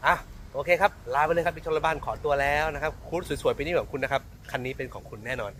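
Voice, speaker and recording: A man's voice: a little high, fast, a bit bright, slight background noise. A man with a Central Thai accent, chatting casually as he shows a used car from the inside and jokes with viewers. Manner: chatty, talks to the viewers as older siblings, jokes at himself. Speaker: used car dealer presenting a car. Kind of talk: casual car walkaround vlog.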